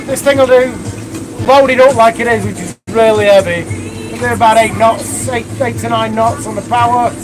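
A man's voice: very high-pitched, fairly even intonation, normal speed, rough recording. A man in his forties vlogging live from a sailboat on a river, talking in a rambling, sweary, chatty way into a phone held at arm's length. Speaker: vlog host. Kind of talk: casual live sailing vlog. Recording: wind noise and loud music. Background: boat engine, wind and music.

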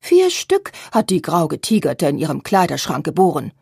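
A woman voicing an agitated, scolding old grandmother in an audiobook, with a low, breathy voice. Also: wildly swooping pitch, normal speed, darkish tone, no echo, studio quality, full character voice. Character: scolding old grandmother, loud and sharp-tongued.

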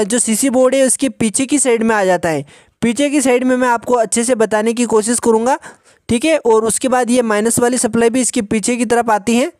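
A man patiently explaining a phone repair step by step in a tutorial voice-over, often pausing to check in with the viewer. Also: very high-pitched, a little mellow, dry recording, studio quality. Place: voice-over over a drawn circuit diagram.

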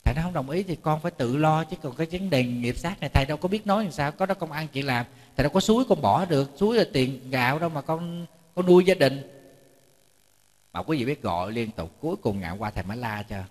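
A man with a fairly high-pitched voice rattles through a chatty Buddhist sermon at speed, telling stories, repeating words, and joking with his audience. The temple lecture hall makes the recording reverberant.

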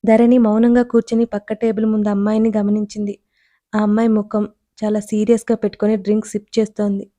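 Woman narrating an audio story, flat steady delivery, mellow voice, dry close sound. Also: mid-range voice, fast talker, dry recording.

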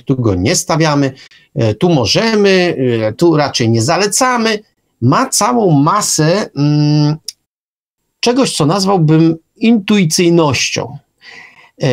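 A man speaking in a lively, wandering way, his voice a bit high and moving a lot in pitch. He hesitates often as he works through his thoughts on a writing workshop show. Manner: lively, musing, many fillers. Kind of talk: casual discussion on punctuation. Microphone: internet radio show microphone.

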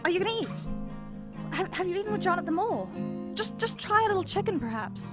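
A woman's voice: very high voice, big pitch swings, a little fast, loud music behind the voice. A woman playing a doting, worried, middle-aged mother in an audio drama, fussing over her children. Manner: fussing, concerned.

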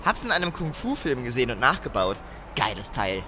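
Ein Mann spielt in einem deutschen Hörspiel ein eifriges, jungenhaftes Gangmitglied mit überdrehtem Slang. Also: male voice, medium pitch, fairly quick, background noise, natural voice. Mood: excited. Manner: excitable, slangy. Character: eager, boyish male gang member proud of homemade weapons. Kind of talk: German audio drama acting.

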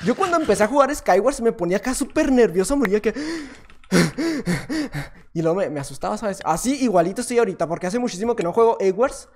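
A man with a Mexican Spanish accent giving chatty, self-mocking gameplay commentary, with sudden excited shouts. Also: high voice, brisk, a little hiss or hum. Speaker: gaming YouTuber.

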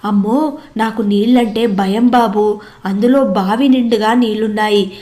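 A woman's voice: medium pitch, fairly even intonation, measured pace, mellow, lightly acted. A woman voicing a timid, obliging male servant who speaks fearfully and deferentially in a storybook tale.

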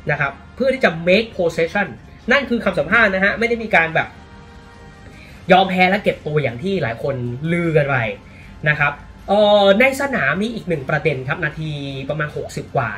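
A man from Thailand giving casual, animated football commentary, often exclaiming, with faint music behind him. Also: high voice.

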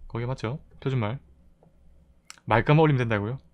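A man's voice: mid-range voice, fairly quick, highs cut off. Chatty Gyeongsang-accented man streaming a game. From South Korea, Busan. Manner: chatty, reads out chat and thanks viewers. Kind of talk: casual live-stream chat while playing.

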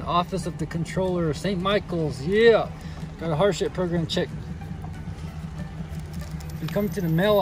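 A man's voice: high voice, low-quality recording. A man in his thirties with a Navajo reservation Native American accent, chatting casually and playfully to a phone camera inside a truck. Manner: jokey, playful. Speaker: family vlogger. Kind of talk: casual vlog chat to camera. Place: inside a parked pickup truck. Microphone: phone at arm's length.

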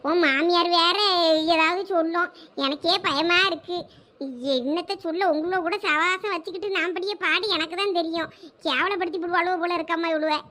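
A woman's voice: extremely high pitch, fairly even intonation, moderate pace, bright, forceful tone. A woman voicing a blunt, scolding village housewife. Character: gruff village housewife, sharp-tongued.

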